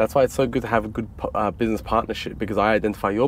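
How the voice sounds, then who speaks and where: Pitched fairly low, a man rattles along at a very fast pace. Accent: Australian. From Australia. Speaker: podcast host, business owner. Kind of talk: casual interview chat.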